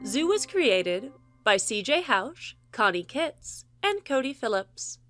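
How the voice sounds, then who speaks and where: A woman's voice: on the high side, sing-song, slow pace, a bit bright, faint music behind. A woman reading scripted credits and announcements as an announcer. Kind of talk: scripted narration.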